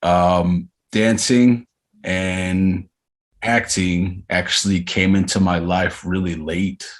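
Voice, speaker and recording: Podcast guest, man in his 30s from Arizona, very low voice, thoughtful and hesitant delivery. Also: level tone. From Arizona, USA. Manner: reflective, unhurried, frequent hesitations. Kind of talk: casual interview chat.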